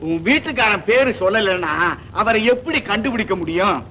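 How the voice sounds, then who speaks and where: Matter-of-fact priestly elder; high, bright tone, slight hiss. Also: male voice, lively intonation, brisk. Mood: blunt. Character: older priestly man consulted for advice. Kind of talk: 1960s film comedy acting.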